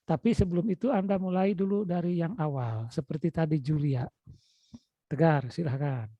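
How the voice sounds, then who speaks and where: With a Sundanese-influenced Indonesian accent, a male lecturer teaching online calls out to his students again and again and coaxes them. His voice is a little high and moves at a moderate pace, with no echo. The sound is dull, lo-fi video call audio.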